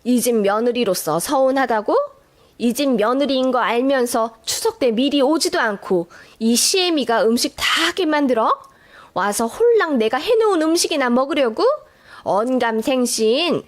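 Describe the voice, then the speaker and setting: A woman voicing a sharp-tongued, scolding older mother-in-law in a radio drama who talks with shrill contempt. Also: expressive, moderate pace. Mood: scornful.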